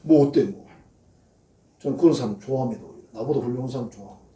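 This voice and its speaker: The recording, made from a distance in an echoey church hall, catches a male pastor with a mid-range, dark-toned voice speaking at a quick pace. He delivers his sermon in the sanctuary as folksy storytelling and mimics quoted prayers in a mocking voice.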